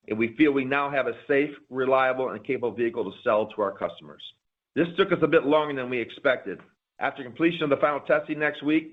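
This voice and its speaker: A man reading a prepared corporate presentation in a formal, measured way, as a company executive on an earnings call. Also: mid-range voice. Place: conference call. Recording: narrow, phone-like conference call line.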